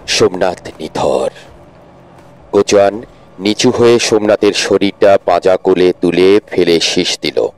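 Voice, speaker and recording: A man's voice: low-pitched, a little slow, a little mellow, clear, resonant tone, dry recording. A man narrating a dramatic audio story expressively, rising with tension.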